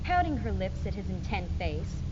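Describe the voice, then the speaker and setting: A woman performing as a storyteller in a dramatic literary reading, theatrical and expressive, on a very noisy old archive recording. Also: mid-range voice, normal speed, lightly acted. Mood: teasing, theatrical. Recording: muffled, very noisy 1970s archive tape.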